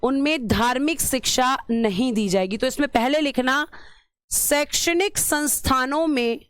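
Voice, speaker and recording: A woman's voice: high voice, measured pace, clear, resonant tone, no echo, clean studio sound. A woman teacher giving an exam-prep lecture, repeating key terms and asking and answering her own questions, calling her students "beta".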